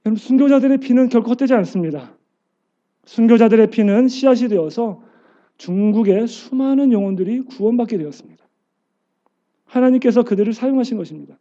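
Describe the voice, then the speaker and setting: A man's voice: very high voice, brisk, dark tone, highs cut off. A male pastor preaching a sermon, telling stories and building to earnest appeals to the congregation. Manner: storytelling preacher, rises to fervent appeals.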